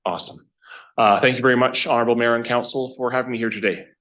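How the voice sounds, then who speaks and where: A man giving an informal presentation to a council as a consultant, speaking in a halting, conversational way and often restarting his sentences. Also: medium pitch, fairly even intonation, a bit bright. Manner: halting, conversational, self-interrupting. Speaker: consultant project lead presenting. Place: council meeting room. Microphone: meeting microphone. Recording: dull, band-limited meeting room microphone.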